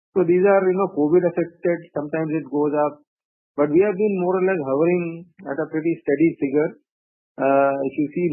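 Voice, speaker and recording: A man presenting quarterly results on an earnings call, measured and full of "uh" and "you know". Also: fairly high pitch, no echo. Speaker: company executive presenting results. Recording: tinny phone-line audio, dry.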